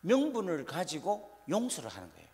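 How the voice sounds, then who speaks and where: A man's voice: sits high, huge pitch swings, brisk, a little mellow. A man preaching a revival sermon in a church, questioning the congregation and acting out scolding parents. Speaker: pastor. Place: church sanctuary. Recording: long church hall reverb.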